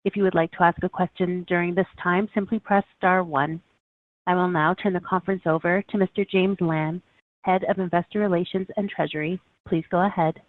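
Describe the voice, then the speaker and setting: A woman's voice: fairly low pitch, fairly even intonation, fairly quick. A woman reading a scripted announcement as a conference call operator. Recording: dry narrowband phone line.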